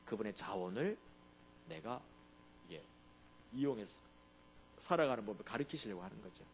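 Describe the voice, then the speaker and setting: A man's voice: fairly low pitch, animated, normal speed, gravelly, slight background noise. A male pastor preaching a sermon in a conversational way, often asking the congregation to agree with him.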